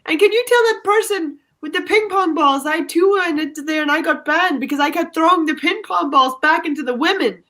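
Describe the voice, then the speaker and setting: Woman doing a touchy dutch lady caller, high voice, put-on dutch accent, crude. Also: a bit bright. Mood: indignant. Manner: touchy, quick to take offence.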